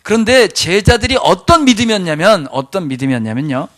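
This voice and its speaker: A man preaching in a church sanctuary, his voice sitting a little high. He keeps the sermon animated, throwing rhetorical questions at the congregation. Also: fairly quick. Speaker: pastor.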